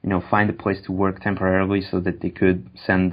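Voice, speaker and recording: Guy with a low monotone voice, hesitant casual talk, stops to find words, sounds kinda dull and lo-fi. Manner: hesitant, halting, searching for words. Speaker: interview guest. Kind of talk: casual conversation.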